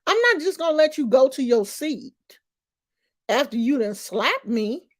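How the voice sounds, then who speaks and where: Woman, 50s, slow unhurried delivery, emphatic, streetwise, casual vlog commentary. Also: high-pitched, expressive. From Oakland, California. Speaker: vlogger.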